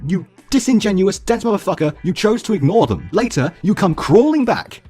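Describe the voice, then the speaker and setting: A man's voice: sits high, big pitch swings, moderate pace, darkish tone, slightly rough, soft background music. A man in his twenties reads a scripted rant. He talks in a heated, profane way and throws insults. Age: 20s. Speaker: YouTuber responding to a critic.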